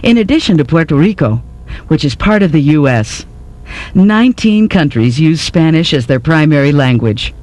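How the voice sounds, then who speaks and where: Measured, fairly high-pitched male lecture narrator. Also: big pitch swings, a little mellow. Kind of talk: scripted educational narration.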